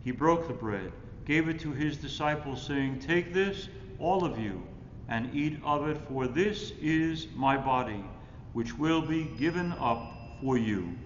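A man in his sixties, a Catholic priest reciting Mass prayers solemnly in measured phrases, recorded at the altar of a church. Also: lively intonation. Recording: echoey church reverb, muffled, rumbling noise.

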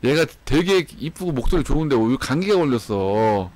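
A man in his thirties streaming live from a small room on a headset mic, loud and excitable, often laughing. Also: medium pitch, normal speed. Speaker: game streamer. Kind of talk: casual live-stream chat.

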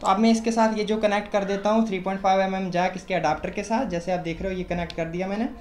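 A man's voice: high voice, steady tone, fast talker. A young man, chatting step by step as he demonstrates gear at a desk. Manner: chatty, explains step by step, mixes English words. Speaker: moto vlogger. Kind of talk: casual tutorial demonstration. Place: small room at a desk.

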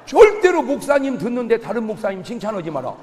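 A man with a high, lively voice preaches a comic revival sermon to his congregation. He tells stories in a storyteller's way and acts out the voices of the people in them. His voice carries a long reverb from the church hall, over a faint room hum. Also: fast talker. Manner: animated storytelling, acting out quoted voices; shouting punchlines to the congregation. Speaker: pastor.

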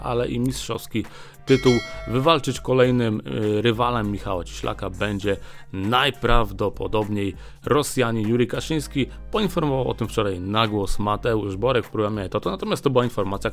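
In a small indoor studio with a boxing backdrop, a chatty man hosts a boxing news show, giving casual commentary filled with "e" filler pauses. His voice is lowish, picked up by a desk mic on a small stand, with soft music in the background.

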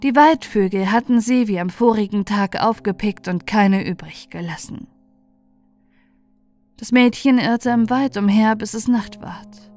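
A woman's voice: mid-range voice, unhurried, a little mellow. Woman narrating fairy tales over faint music. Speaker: audiobook narrator. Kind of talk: scripted fairy-tale narration for bedtime.

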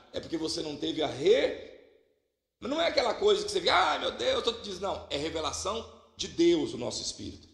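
A man preaching a lively, humorous sermon with a Minas Gerais accent, jumping from loud exclamations to quiet asides. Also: high voice, gravelly. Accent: Minas Gerais Portuguese. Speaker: pastor. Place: church hall. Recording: echoey church hall.

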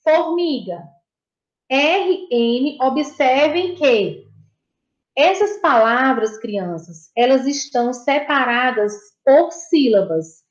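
A woman with a Brazilian Portuguese accent gives a video lesson to young pupils with a high voice. She talks slowly and patiently, repeats every point and praises the answers. The recording sounds dull and echoey, as if made in a bare room. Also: big pitch swings. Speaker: primary school teacher.

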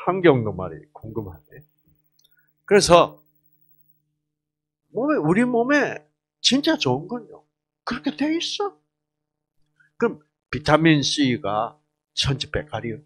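A man's voice: fairly high pitch, wildly swooping pitch, slow pace, pauses often, a little hiss or hum. A man giving a health lecture to a live audience, quizzing the listeners with questions and jokingly slipping into regional dialects.

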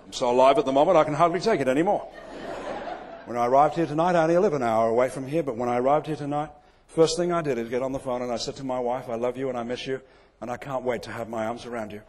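An older man from England, giving an after-dinner comedy talk on a banquet stage with a deadpan, well-timed delivery on a lapel mic. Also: medium pitch, fast talker, a little hiss or hum. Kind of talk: stand-up comedy presentation. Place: large banquet hall stage.

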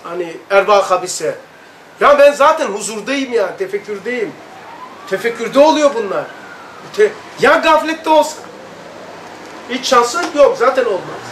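A man leading a religious study circle, earnestly recounting a personal experience and reading aloud, acting out sounds with emphatic, drawn-out words. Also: high-pitched, lively intonation, a bit bright. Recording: echoey room, distant mic, light noise.

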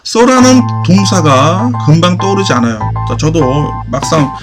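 A man teaching a basic English class, repeating phrases slowly and pushing students to answer. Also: on the high side, very animated, music in the background. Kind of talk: classroom lecture.

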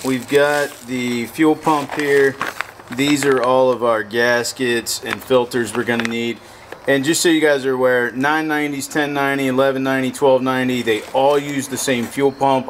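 Outside at a pickup truck bed serving as a workbench, a motorcycle repair how-to host works with his hands and lays out the repair step by step in plain terms. His mid-range voice holds a steady tone at normal speed, with a little hiss or hum.

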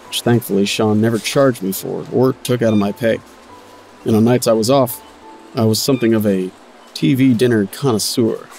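A man's voice: lowish voice, vocal fry, darkish tone, rough recording. An actor playing a wry, weary working man who narrates his own story in a dry, self-deprecating way in an audio drama. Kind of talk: scripted first-person narration, noir audio drama.

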